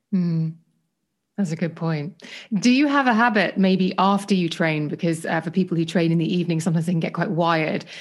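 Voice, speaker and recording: A woman with a British accent and a fairly low pitch, over a quiet background. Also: ordinary pitch variation, fairly quick pace. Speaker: podcast host. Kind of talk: casual interview. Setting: remote call.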